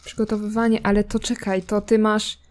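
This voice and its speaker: A woman's voice: mid-range voice, flat delivery, a little fast, darkish tone. A woman casually commenting while playing a life simulation game, chatty and teasing, talking to her characters and their cat. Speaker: gameplay streamer.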